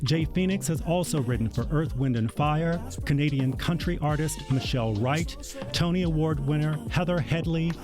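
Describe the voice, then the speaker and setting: A man hosting a radio interview show, reading a measured introduction before chatting with his guest. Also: on the high side. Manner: measured, reads credits. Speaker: radio host. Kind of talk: scripted intro then interview. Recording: music bed behind.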